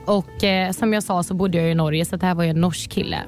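A woman's voice: on the low side, soft background music. A young woman co-hosting a podcast in casual chat, telling a story animatedly and acting out what people said. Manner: animated storyteller, acts out quotes. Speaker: podcast co-host.

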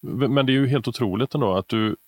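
A man hosting a casual chat, calm and encouraging, often giving short murmurs of agreement. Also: medium pitch, dry recording, clean studio sound. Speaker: host.

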